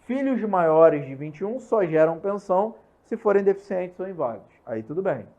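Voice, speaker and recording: Man, Brazilian Portuguese accent, high voice, lively teaching, muffled lo-fi recording. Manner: energetic, repeats key points, checks in often with quick questions. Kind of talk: recorded online law lesson.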